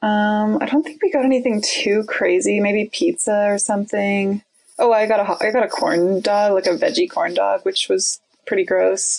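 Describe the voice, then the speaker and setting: Her voice is an unremarkable speaking voice at medium pitch. This woman talks at a moderate pace with lively intonation. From Saskatchewan, Canada. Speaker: stand-up comedian. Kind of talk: casual chat.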